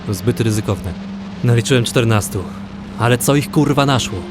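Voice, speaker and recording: A man's voice: medium pitch, normal speed, close to an everyday voice. Male actor as cautious armed lookout, urgent and clipped, mid-range, horror audio drama with heavy noise bed. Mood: wary, baffled. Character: cautious, observant armed survivor scout. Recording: loud humming noise behind.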